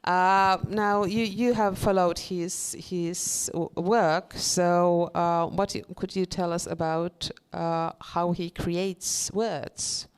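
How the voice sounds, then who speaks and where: A woman's voice: on the low side, steady tone, slow, hardly any pauses, smooth. A woman moderating a literary panel, asking questions with frequent restarts. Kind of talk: panel discussion.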